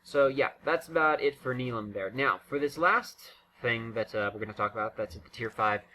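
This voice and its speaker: A man's voice: mid-range voice, lively intonation, brisk, bright, forceful tone, slight background noise. A man giving casual, unscripted game commentary in a rambling, self-interrupting way. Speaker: gaming video creator.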